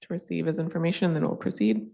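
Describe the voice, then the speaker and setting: Canadian woman council chair, very deep and gravelly, muffled from a distance. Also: lively intonation, fast, dark tone. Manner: formal, procedural. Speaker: meeting chair. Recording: dull, distant council mic.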